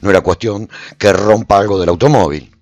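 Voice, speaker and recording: A man playing a bewildered, uneasy apocalypse survivor in a radio serial, narrating in a theatrical, brooding manner with a gravelly, husky voice. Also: lowish voice, fairly quick, a little mellow, no room sound, faint music behind, close to an everyday voice. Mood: indignant, baffled. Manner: theatrical, brooding, with rhetorical questions. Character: bewildered, uneasy male survivor of an apocalypse, recounting his escape. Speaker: narrator and radio program host within the serial. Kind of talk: dramatic first-person radio serial narration.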